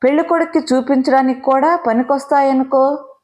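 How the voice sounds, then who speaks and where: A playful young college student with a teasing, breezy way of talking, read by a woman narrator. The voice sits a little high. It is a lightly sketched storybook part. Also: steady tone, normal speed, darkish tone, lightly acted.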